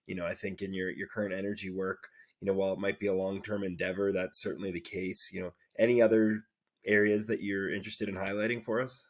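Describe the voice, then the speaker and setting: Low-voiced man asking podcast questions. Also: darkish tone. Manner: loose, rambling questions with fillers. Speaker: podcast host. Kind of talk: casual interview questions.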